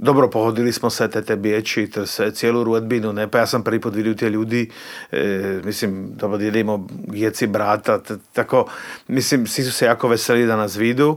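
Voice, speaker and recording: At a moderate pace, a normal speaking voice carries fairly even intonation. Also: man, medium pitch for a man. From Slovakia, Croatian village near Bratislava. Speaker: cultural activist and choir leader. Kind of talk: interview.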